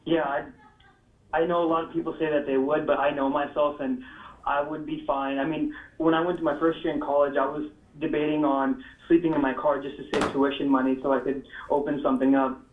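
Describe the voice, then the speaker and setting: A man's voice: fairly high pitch, level tone, fairly quick, reverberant, slight background noise. Young man on a tinny phone line. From Estonia. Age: around 20. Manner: hesitant, frequent fillers. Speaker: caller. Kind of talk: phone call to a talk show.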